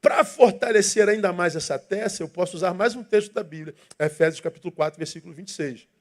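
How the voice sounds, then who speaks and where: A pastor preaching a sermon in church, emphatic and rhetorical, asking the congregation questions and leading them in reading. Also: male voice, high voice, fairly quick.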